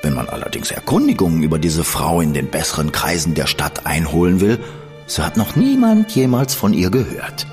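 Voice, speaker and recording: An actor playing a shrewd, menacing gentleman schemer who speaks in a smooth, ironic and condescending manner. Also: low voice, big pitch swings, moderate pace, soft background music. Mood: mocking. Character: shrewd, cool male gentleman spymaster, coldly menacing. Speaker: gentleman in an audio drama. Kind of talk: studio audio drama acting.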